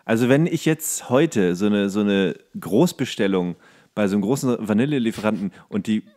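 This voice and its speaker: A man's voice: fairly low pitch, lively intonation, normal speed, darkish tone. A man co-hosting a podcast in casual comedic banter, rambling along in a jokey, mock-serious way. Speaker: podcast co-host.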